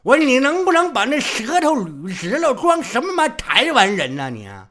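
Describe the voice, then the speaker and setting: A man putting on a brash, crude old swordsman who teases and shouts back, voice bright and sharp, swinging up and down in lively pitch. it is part of a traditional storytelling show. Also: normal speed, full character voice. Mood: mocking. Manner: teasing, bantering, loud retorts. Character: cheeky crude older male swordsman, mocking.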